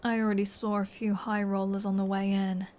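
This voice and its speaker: A woman playing a flirty, taunting vampire in an ASMR audio roleplay, smug and playful, dropping into breathy whispers. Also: mid-range voice, level tone, brisk, a little mellow, close to an everyday voice. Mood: coolly threatening.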